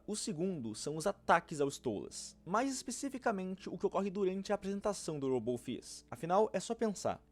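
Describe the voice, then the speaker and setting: A man with a Brazilian accent delivering scripted narration as a fan-theory video narrator. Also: high-pitched.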